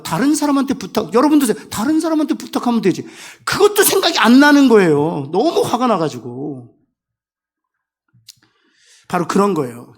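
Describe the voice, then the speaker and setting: High, lively Korean pastor preaching. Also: male voice. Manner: emotional storytelling, swings from quiet to emphatic. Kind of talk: sermon.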